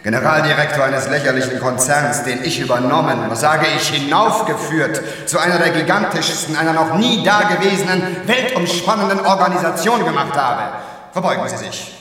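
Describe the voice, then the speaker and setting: An actor playing a megalomaniac, domineering company director in a radio play, barking orders and bursting into shouts. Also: male voice, fairly high pitch, brisk, distant mic. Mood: imperious. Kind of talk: 1950s radio play acting. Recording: roomy reverberant studio, voice off-mic.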